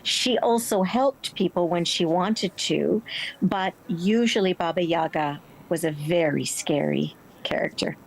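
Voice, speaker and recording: A middle-aged woman, an actor, answering interview questions in an expressive, emphatic conversational way. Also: lowish voice, a little slow, creaky, slight background noise, rough recording. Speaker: stage and film actor, interview guest.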